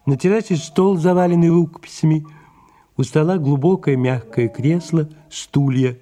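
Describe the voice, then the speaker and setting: A man reading the stage directions of an audio drama in a measured, even delivery. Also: fairly high pitch. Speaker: narrator.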